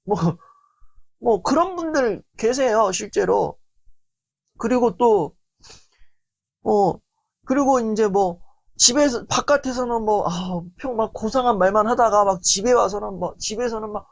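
A man giving a lecture on family relationships in a lively, rambling way, often acting out family arguments. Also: sits high, a little slow, gravelly, long pauses, no room sound. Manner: animated, heavy use of fillers, acts out quoted family arguments. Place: lecture stage.

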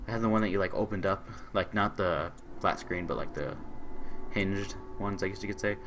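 A hoarse young man with a sore throat, casually commentating a game he is playing, reading on-screen messages aloud and answering them. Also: deep voice, normal speed, fairly bright tone, a little hiss or hum. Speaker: gaming channel host. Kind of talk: casual let's-play commentary.

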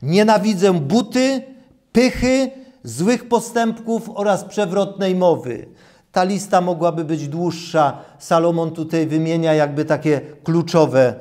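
A man in his sixties preaching a sermon and reading scripture in a deliberate, emphatic way, repeating key phrases. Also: a little high, darkish tone. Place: small church room, at a lectern.

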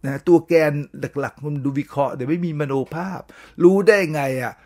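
A man's voice: mid-range voice, fairly even intonation, a little fast, mellow. An older man hosting a radio talk show, lecturing in an emphatic, preachy way and often asking listeners to agree. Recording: radio broadcast.

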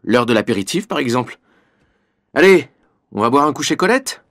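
A man's voice: medium pitch, big pitch swings, moderate pace, a bit bright, dry recording. A man reading a scripted dialogue with a wry, offhand manner and a mid-range voice. The recording is close and completely dry. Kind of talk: scripted dialogue for a language exam.

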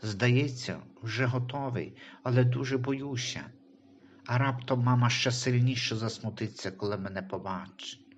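A man voicing a timid, trusting unborn baby boy in a Christian audio story, speaking softly and questioningly. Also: medium pitch, normal speed, dull audio, a little hiss or hum, close to an everyday voice.

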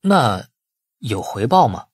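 A man's voice: medium pitch, sing-song, takes it slowly, slightly rough, no echo, studio quality, full character voice. A man narrating an audiobook voices a cautious, shrewd company boss who speaks in a tentative, probing way. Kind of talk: audiobook dialogue.

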